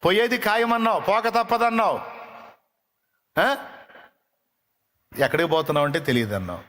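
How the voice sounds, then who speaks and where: Blunt male jester, played by a man, raised pitch, louder, insistent questions, sermon story figure. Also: animated, moderate pace. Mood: probing. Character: simple-minded male jester, blunt and probing.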